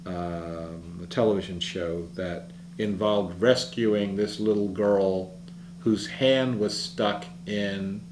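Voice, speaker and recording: A man giving an earnest, reflective public talk in an easygoing storytelling manner. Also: on the low side. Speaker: speaker. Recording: roomy echo with faint hum.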